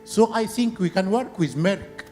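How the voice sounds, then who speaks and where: A man's voice: high voice, expressive, a little slow, a little mellow. A man from Egypt commenting from the audience at a conference, stumbling over repeated words. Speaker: audience member. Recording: echoey hall with faint music.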